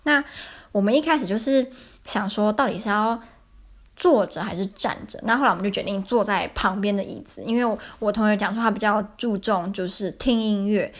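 A woman's voice: medium pitch, fairly quick. Chatty young Taiwanese woman storyteller. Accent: Taiwanese Mandarin. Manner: chatty, repeats herself, many fillers. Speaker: podcast host. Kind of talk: casual storytelling.

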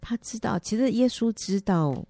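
A middle-aged woman, a guest counselor on a Christian talk show, reading a scripture passage aloud and reflecting on it gently and earnestly, with soft hesitations. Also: a little high, lively intonation, moderate pace, no room sound, soft background music.

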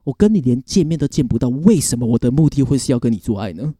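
A young Taiwanese man chats on a podcast with a lively, swooping delivery. His tone is mellow and low-key in color, he swears freely and acts out other people's lines, and the sound is close and dry with no room around it. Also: fast talker, slightly rough, no echo. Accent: Taiwanese Mandarin. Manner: animated storytelling, blunt and profane, mimics others' voices. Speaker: podcast co-host. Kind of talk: casual chat.

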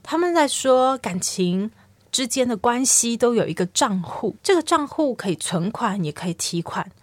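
A woman, a psychologist hosting a podcast, explaining gently and asking her listeners questions. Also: fairly high pitch, very animated, moderate pace, dry recording.

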